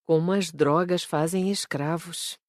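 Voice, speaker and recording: Woman playing a lowish, sorrowful female student. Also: steady tone, unhurried, no room sound, clean studio sound, lightly acted. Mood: sad.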